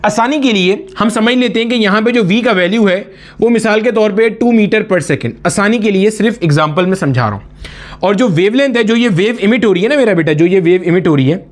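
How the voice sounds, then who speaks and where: A man's voice: sits high, brisk. A man teaches a physics exam-prep lecture. He explains each step, asks the class questions and answers them himself. He calls his students "beta" in a familiar, fatherly way.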